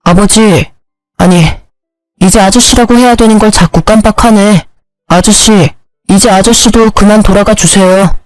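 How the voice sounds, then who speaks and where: A woman's voice: mid-range voice, steady tone, moderate pace, soft background music, close to an everyday voice, poor audio. A woman reading the part of a clever young adult son who speaks with cool, mocking politeness.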